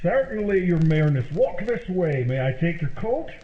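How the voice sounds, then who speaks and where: Through a tinny, roomy old radio sound comes a man acting a cheerful, dim party host. His high voice swoops about as he hesitates cluelessly through old-time comedy lines. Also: very animated, moderate pace. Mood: fawning, flustered.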